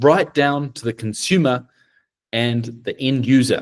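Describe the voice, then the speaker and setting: Speaking at a very slow pace, a man with a New Zealand accent has a fairly high pitch. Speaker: team presenter at a coding event. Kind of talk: presentation. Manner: deliberately slow.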